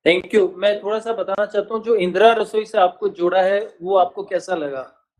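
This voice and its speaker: A man moderating a conference call, briskly calling on speakers by district. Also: sits high, low-quality recording. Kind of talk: hosting a video conference.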